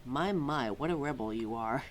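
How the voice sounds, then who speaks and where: Playing a scatterbrained keeper of forgotten lore who has lived for centuries, a woman in a roleplay audio drama addresses a listener in a flustered, hesitant, curious way. She has a bass voice, animated, at a moderate pace.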